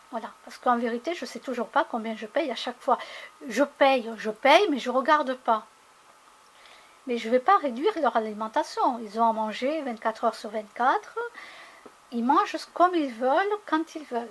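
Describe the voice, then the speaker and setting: A woman's high-pitched voice broken by long, frequent pauses. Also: lively intonation, moderate pace. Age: 40s. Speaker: vlogger. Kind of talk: casual chat.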